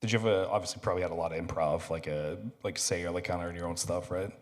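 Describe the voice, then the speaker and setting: A man's voice: low-pitched, fairly even intonation, racing, in a large hall, slight background noise. A man moderating a convention panel, asking hesitant questions full of fillers. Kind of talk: casual interview questions.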